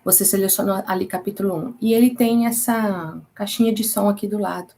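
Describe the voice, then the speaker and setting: A woman's voice: mid-range voice, steady tone, fairly quick, gravelly, mellow. A woman with a Brazilian Portuguese accent teaching a casual Bible study class, chatty and often checking in with her students.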